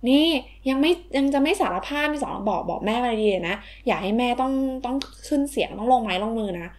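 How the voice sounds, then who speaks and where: Lady doing a strict mom scolding her kid, firm, kinda high voice. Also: expressive, brisk, lightly acted. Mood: stern. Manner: firm, lecturing, sweet endings. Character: stern but caring mother scolding her son. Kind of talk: toy storytelling.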